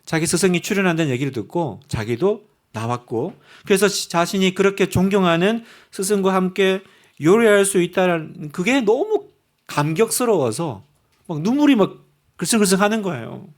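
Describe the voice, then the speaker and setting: A man's voice: high-pitched, animated, moderate pace. A male pastor giving a sermon in a church, telling a story with animation and building to fervent exhortation. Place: church sanctuary.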